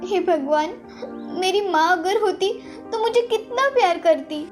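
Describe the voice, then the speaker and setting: A meek, tearful young cartoon girl speaks in a high, soft voice, as a woman acts her out. She sounds gentle and pleading, eager to obey. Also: unhurried, faint music behind. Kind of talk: cartoon voice acting.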